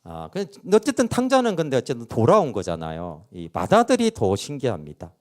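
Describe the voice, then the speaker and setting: A man preaching a sermon as pastor, asking his listeners rhetorical questions and dropping to soft asides between stronger points. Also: medium pitch, huge pitch swings, a little fast. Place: church sanctuary.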